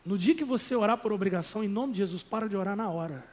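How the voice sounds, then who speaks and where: A Brazilian pastor preaches in a notably high voice, moving between chatty asides and emphatic, loud exhortation. He checks in with the congregation through quick tag questions. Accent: Brazilian Portuguese. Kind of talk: sermon.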